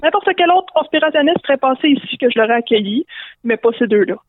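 Blunt sarcastic innkeeper, high voice, Québécois slang, as a woman plays him; phone-line sound. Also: expressive, fast, no echo. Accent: Québécois French.

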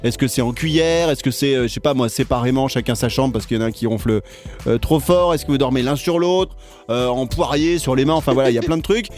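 A man's voice: medium pitch, quick pace, darkish tone, soft background music. A man hosting a radio morning show, teasing his co-hosts in joking banter. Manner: playful, teasing.

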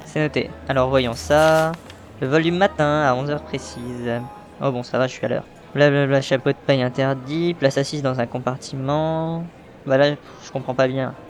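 A man's voice: medium pitch, fairly even intonation, normal speed, faint music behind, natural voice. A man voicing a sarcastic young orphan hero who grumbles and wisecracks, in a fan cartoon dub. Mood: cheeky. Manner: sarcastic, cheeky.

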